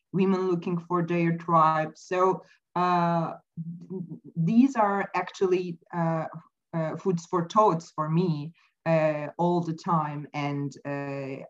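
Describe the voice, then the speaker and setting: A woman whose first language is not English, speaking as an interview guest, thoughtful and halting with many fillers. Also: lowish voice, lo-fi sound. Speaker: podcast guest. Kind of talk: casual interview talk. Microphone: remote call mic.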